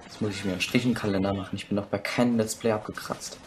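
A young man giving crude, excitable commentary while playing a shooter, swearing and shouting at enemies. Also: on the low side, quick pace, background noise. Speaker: let's play gamer. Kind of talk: casual gameplay commentary.

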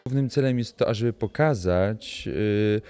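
A man giving an interview answer slowly, listing things with pauses. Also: on the low side, loud music behind the voice.

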